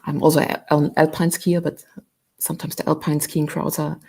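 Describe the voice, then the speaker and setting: A woman, chatting relaxed as an interview guest, with many fillers. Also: low voice, normal speed, husky. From Austria. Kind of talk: casual interview chat. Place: at home.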